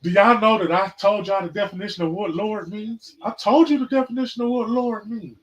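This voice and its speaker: A man in his forties hosting a casual livestream podcast, mixing loud, repetitive outbursts with profane, slangy sermon-like talk. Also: high-pitched, fairly quick, poor audio. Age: 40s. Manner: profane, slangy, calls out viewers. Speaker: podcast host. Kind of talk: casual preaching and chat. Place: livestream, home setup.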